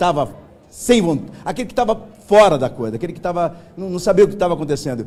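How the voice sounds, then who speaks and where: At a very fast pace, a man with a high pitch speaks with lively intonation. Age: 60s. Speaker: theater artist. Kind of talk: public debate remarks. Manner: halting, many repetitions.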